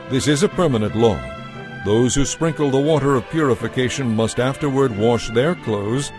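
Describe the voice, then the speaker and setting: A man narrating scripture from a script in a solemn, deliberate, clearly enunciated storytelling style. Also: medium pitch. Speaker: Bible narrator.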